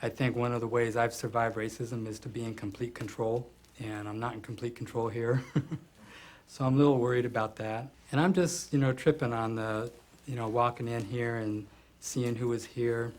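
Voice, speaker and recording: Nervous frank man, flat voice. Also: mid-range voice, normal speed. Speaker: participant in group discussion.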